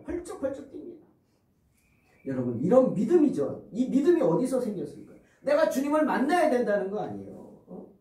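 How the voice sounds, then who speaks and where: A man's voice: sits high, warm tone. A male pastor delivers a sermon in a church sanctuary, telling the story dramatically and firing rhetorical questions at his listeners. His voice swings widely up and down. He is picked up from some distance in an echoey room. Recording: roomy, distant church recording.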